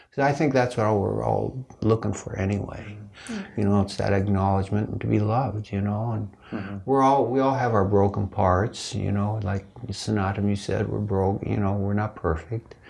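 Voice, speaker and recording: A man speaks at a moderate pace with fairly even intonation. There is noticeable background noise. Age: 60s. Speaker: podcast host interviewing spiritual teachers. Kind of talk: casual interview.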